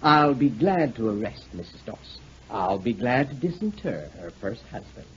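A man's voice: medium pitch, very animated, moderate pace, lightly acted. A man playing an exasperated, wry police lieutenant in a 1940s radio drama. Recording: muffled, noisy 1940s radio recording.

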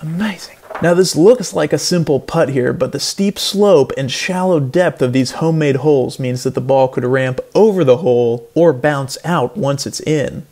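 A man giving earnest, deadpan play-by-play as a mock golf commentator in a parody sports broadcast. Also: fairly high pitch, normal speed, few pauses. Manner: earnest play-by-play, building to excited outbursts.

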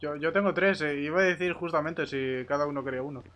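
A man's voice: a little high, fast, fairly bright tone. Spanish man gaming, noisy mic. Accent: Spanish (Spain). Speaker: roleplay gamer. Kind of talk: casual in-game roleplay chat. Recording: game voice chat with clear noise.

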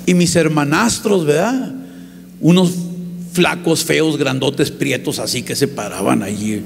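Man, mexican accent, high-pitched preacher, shouting testimony, echoey hall, faint hum. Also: unhurried, creaky. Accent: Mexican Spanish. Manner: impassioned preaching, often shouting. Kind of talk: sermon testimony.

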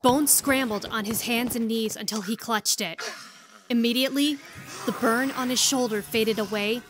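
A woman's voice: a little high, fairly even intonation, normal speed, background noise. A woman reading scripted story narration as the narrator of an audio drama.

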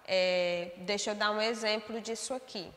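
A woman's voice: medium pitch, steady tone, moderate pace, a bit bright, long reverb tail. A woman teacher explaining a lesson step by step, often checking in with her pupils as she goes through the slides. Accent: Brazilian Portuguese. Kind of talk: remote class lesson over shared slides.

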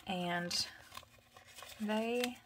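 A woman's voice: medium pitch, drawn-out words, background noise. A woman with a thick Southern accent chatting casually through a craft tutorial, muttering and mumbling with rambling asides. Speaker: crafter vlogger.

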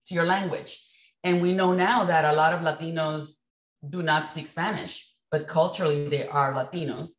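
A woman from Puerto Rico on a video call panel, explaining her ideas earnestly and checking in with "right?". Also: low voice. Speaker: academic panelist. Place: home room with bookshelves, indoors. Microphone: video call webcam. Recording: roomy webcam audio.

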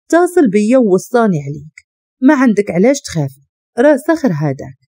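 A woman's voice: a little high, sing-song, a little fast, dark tone, no echo, studio quality. A woman with a Moroccan accent voicing a caring, worried young man, speaking earnestly in a storybook reading. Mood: concerned.

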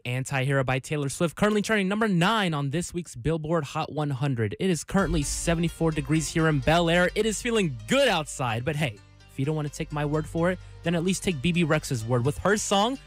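A young man presents a music radio show in a fairly high voice. He talks as the on-air DJ, close on a studio microphone, with some music playing behind him. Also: expressive, a little fast. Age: young adult. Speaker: radio DJ and host. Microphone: broadcast studio microphone on a boom arm.

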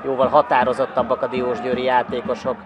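Excited male football commentator over crowd noise. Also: mid-range voice, highs cut off. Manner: excited, rising to shouts at chances. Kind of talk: live football match commentary. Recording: crowd noise behind, outdoor stadium. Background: crowd at an outdoor football ground.

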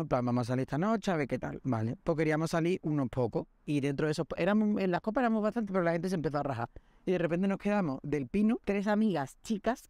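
This young Spanish podcast host has a slightly high voice, recorded with no echo. He tells comic anecdotes in an animated storytelling monologue, acting out the voices of the people in them.

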